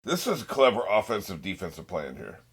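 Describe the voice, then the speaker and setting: A man's voice: fairly low pitch, big pitch swings, brisk, breathy edge. A man hosting a reaction show, talking casually and off the cuff in an informal, musing way with some swearing.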